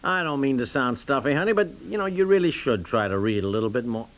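A man's voice: mid-range voice, expressive, quick pace, lightly acted. A man playing an absent-minded, defensive but easygoing husband and new father in a 1950s radio comedy, hesitant and placating. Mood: puzzled, defensive. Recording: noisy, clicky 1950s radio recording.

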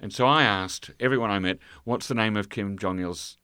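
A man telling a travel story in an interview, halting, full of fillers and restarts. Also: on the low side, pushed and bright, clear, resonant tone, no echo, studio quality. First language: English. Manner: hesitant, many fillers and restarts. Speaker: guest. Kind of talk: conversational storytelling.

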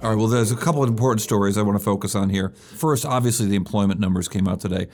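A man hosting a business news podcast, explaining stock and economic stories briskly with occasional fillers. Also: on the low side, darkish tone, faint music behind. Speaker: podcast host.

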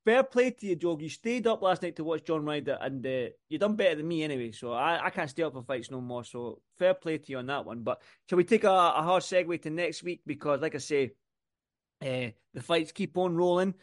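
On a boxing podcast, a co-host from the UK speaks briskly and expressively in a highish voice. He's loose and repetitive, rambling through lists and restarting sentences.

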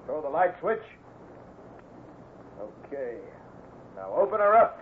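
An actor playing a ruthless, bossy cattle rustler gang leader, barking orders in old-time radio Western style. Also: male voice, on the high side, very animated, takes it slowly. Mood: scheming, commanding. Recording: noisy, tinny vintage radio recording.

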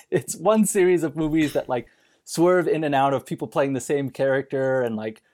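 A man speaking as a podcast guest in casual, comic film discussion, animated and halting, with false starts and frequent laughter as he talks. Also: fairly high pitch. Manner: animated, laughing often while talking.

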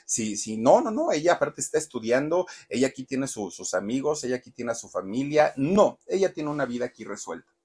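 A man voicing a stern, protective middle-aged father who refuses flatly. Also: medium pitch, fairly quick, slightly rough. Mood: indignant. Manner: indignant, flat refusal.

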